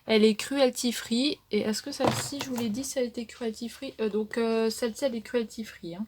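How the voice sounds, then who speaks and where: A woman's voice: a little high, steady tone, a little fast, noisy background. Chatty hesitant woman beauty vlogger. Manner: chatty and hesitant, frequent fillers and trailing "hein". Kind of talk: casual makeup palette show-and-tell.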